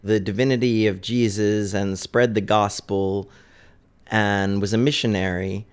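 A man's voice: on the low side, flat delivery, unhurried, clean tone. A man in his thirties, a playwright, explaining in a precise way with emphatic stresses. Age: 30s. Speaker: playwright and actor. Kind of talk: interview clip.

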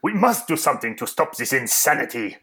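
A man playing a pompous, disgruntled talk radio host, in a radio comedy sketch, with a lively, swooping delivery. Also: mid-range voice, a little fast. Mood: indignant. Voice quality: pompous, indignant.

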